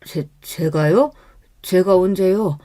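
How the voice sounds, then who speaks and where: Woman playing a flustered middle-aged man, gruff grumbling, caught out, storytelling radio drama. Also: lowish voice, takes it slowly, warm tone. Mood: flustered blustering. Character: blustering 45-year-old man, lying groom.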